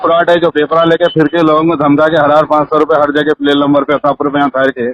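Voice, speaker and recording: A male social worker with a Hyderabadi accent argues heatedly on a muffled recorded phone call, insistent, pleading and reproachful as he talks over the other person. His voice is fairly high and level, quick-paced, with no echo.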